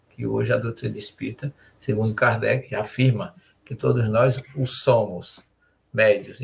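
An older spiritist lecturer with a mid-range voice and vocal fry explains terms in a measured way during a panel talk, occasionally restarting his sentences. He is heard over a video call from his home study.

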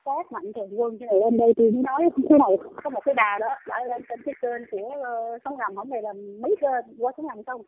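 A woman's voice: fairly high pitch, fast talker, hardly any pauses. A middle-aged woman with a Southern Vietnamese accent calls in and delivers a heated, scolding monologue. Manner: scolding, indignant. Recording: tinny dry phone line.

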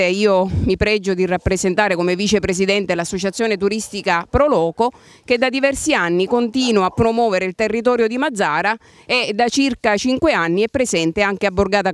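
A woman's voice: mid-range voice, clean tone, dry recording, studio quality. A woman speaking as vice president of a local association, promoting an event outdoors with a handheld mic in a formal, thankful manner. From Sicily. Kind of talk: promotional address to camera. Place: outdoors in a town square.

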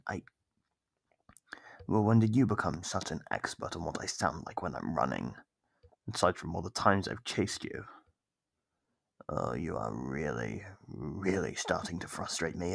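A man's voice: low-pitched, gravelly, breathy edge, dry recording, exaggerated voice. A man playing a sadistic, gloating monster who toys with captive prey in an ASMR roleplay, with a menacing, theatrical, savoring delivery. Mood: menacing, flustered, then frustrated threat. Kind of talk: ASMR roleplay, scripted monologue.

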